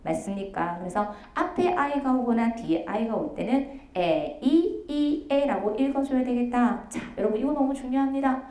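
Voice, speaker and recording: A woman with a rather high but mellow voice leads a pronunciation drill as a teacher, briskly cueing and repeating each sound. She is heard in a roomy, echoey space. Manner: brisk, repeats cue word then models each sound. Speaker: Chinese language teacher. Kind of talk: online lecture with call-and-response drills. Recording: echoey room.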